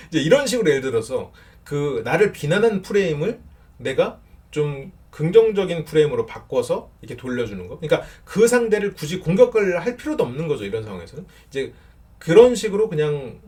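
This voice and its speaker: A middle-aged man talks through advice in a relaxed, chatty way, with a pitch that climbs and dips a lot. His voice sits a little high for a man and is fairly loud, and he laughs often between points. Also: moderate pace. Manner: animated, laughs often, acts out short example lines. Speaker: counselor answering viewer questions. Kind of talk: casual advice talk.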